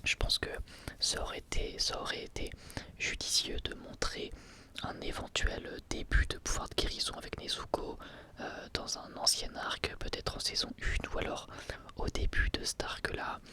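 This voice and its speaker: On his own channel, a man whispers an ASMR review of an anime episode at a moderate pace, hesitating often and using fillers.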